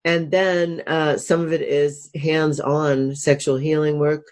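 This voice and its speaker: A woman with a cold and a gravelly voice, a coach talking as an interview guest, enthusiastic, with fillers and restarts. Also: low voice, flat delivery, takes it slowly, darkish tone. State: has a cold. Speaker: sex and happiness coach, guest. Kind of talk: casual interview talk.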